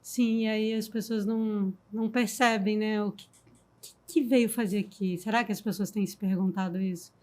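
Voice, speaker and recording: A woman storyteller, guest on a podcast, talking in a calm, reflective and softly emphatic way. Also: medium pitch, normal speed. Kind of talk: reflective conversation.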